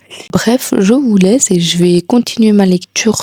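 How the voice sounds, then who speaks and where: A woman's medium-pitched, somewhat breathy voice has a dark, mellow tone and lively intonation, recorded dry and close with no echo. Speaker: book vlogger. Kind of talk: casual vlog. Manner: whispering.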